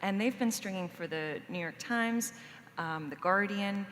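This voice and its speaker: A woman's voice: medium pitch, measured pace, fairly bright tone. A woman foreign correspondent on a panel, telling a story with some fillers. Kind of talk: panel discussion. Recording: reverberant hall, faint noise.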